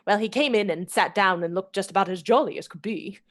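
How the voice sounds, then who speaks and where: A woman's voice: medium pitch, brisk, close to an everyday voice. An actress playing a sweet, chatty young Victorian lady in a radio play, confiding and dramatic in a girlish way. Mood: gossipy. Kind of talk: radio play acting and storytelling.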